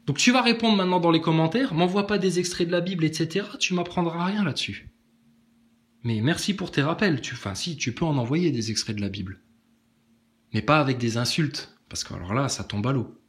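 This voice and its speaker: A man's voice: a little fast, a bit bright. Combative man ranting at commenters. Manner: combative, mocking, big pitch swings. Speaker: online commentator.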